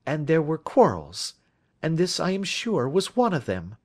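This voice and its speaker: Earnest young woman, high and imploring, for a storybook reading, with a male narrator putting her on. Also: huge pitch swings, measured pace, full character voice. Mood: confiding. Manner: urgent, imploring.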